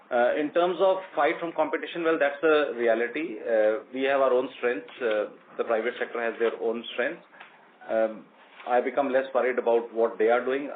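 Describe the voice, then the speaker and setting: A man with an Indian accent answering questions as a company executive on an earnings conference call, explaining in a measured, halting way. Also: medium pitch. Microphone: conference call line. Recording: tinny conference phone line with noise.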